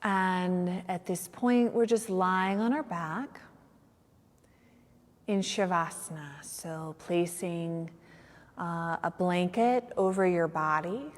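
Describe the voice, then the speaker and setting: Woman, meditation teacher, soothing, very slow pace, long pauses, mid-pitched voice, long reverberant echo. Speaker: yoga nidra meditation teacher. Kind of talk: guided meditation.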